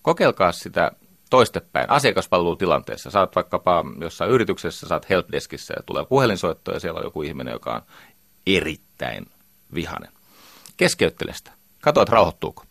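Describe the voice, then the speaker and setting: A man's voice: deep voice, big pitch swings, creaky, a bit bright, no room sound. A middle-aged man giving a lecture as a communication trainer, emphatic and full of rhetorical questions.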